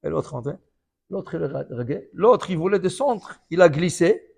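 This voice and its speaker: A man, a rabbi, giving a lively sermon full of stories. He repeats phrases and often checks in with his listeners. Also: a little high, moderate pace, creaky, husky. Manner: animated storytelling with many repetitions.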